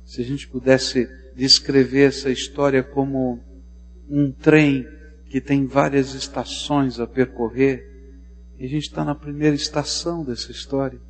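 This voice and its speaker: A male pastor preaching a sermon, telling the story dramatically and acting out the people's voices with big swings in pitch and volume. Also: breathy edge. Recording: long hall reverb, faint music and hum.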